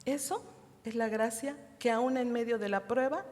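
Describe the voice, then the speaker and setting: Middle-aged Mexican woman, slightly high voice, emotional church testimony, long hall echo. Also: darkish tone. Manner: heartfelt, addresses listeners as sisters, halting restarts. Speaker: women's meeting speaker. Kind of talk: emotional personal testimony sermon.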